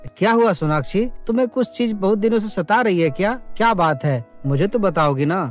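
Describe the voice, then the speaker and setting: A man voicing a caring, calm young husband with gentle, concerned delivery in a cartoon story. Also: high voice, brisk, faint music behind.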